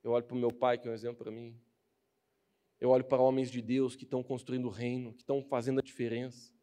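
A man's voice: medium pitch, little pitch movement, fast, warm tone. A young man with a Brazilian Portuguese accent giving a casual, joking youth sermon as a preacher, acting out the people he quotes.

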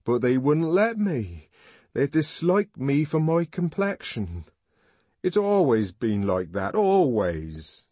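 A man voicing an intense, proud young man who declaims slowly with a voice trembling with emotion. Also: lowish voice, big pitch swings, a little mellow, husky, no room sound, heavily acted. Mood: anguished.

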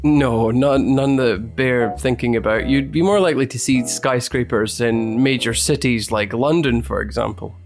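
A man from Scotland co-hosting a conversational English lesson, giving measured, dry explanations with careful hedging. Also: mid-range voice, faint music behind. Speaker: co-host and English teacher.

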